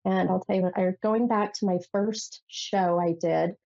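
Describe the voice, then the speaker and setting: A woman's voice: mid-range voice, steady tone, moderate pace, gravelly, mellow, highs cut off. A woman hosting a psychic call-in radio show, sounding nasal from a head cold and rambling chattily with many fillers and restarts. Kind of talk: casual call-in radio monologue.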